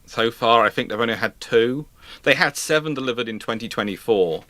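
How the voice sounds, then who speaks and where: A man with a bright, forceful voice explains things as host of a live question-and-answer session. He speaks haltingly, stammering and doubling back to reword himself. The sound is dry, with very little room in it. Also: mid-range voice, no echo. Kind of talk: live question-and-answer talk on military history and current affairs.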